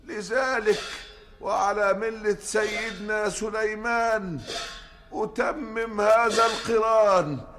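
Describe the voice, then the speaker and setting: An Egyptian man playing a solemn high priest of the jinn in a theatrical drama, declaiming and chanting his pronouncements. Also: slow, music in the background. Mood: solemn, ceremonial. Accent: Egyptian Arabic. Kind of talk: theatrical radio drama acting. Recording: faint background noise.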